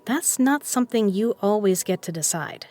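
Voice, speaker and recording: An actress plays a self-assured woman in an audio drama, with a voice of medium pitch. She talks frankly and coaxingly, like family, with a teasing edge and real care underneath. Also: expressive, moderate pace, darkish tone, no echo, soft background music, natural voice. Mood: caring, insistent. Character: confident, teasing, caring woman poker player, the man's cousin.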